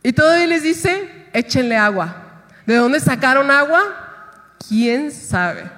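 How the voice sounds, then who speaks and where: A woman's voice: high-pitched, lively intonation, takes it slowly, a bit bright. A woman pastor preaching a sermon, retelling a scripture story and acting out its voices. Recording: long reverb of a hall.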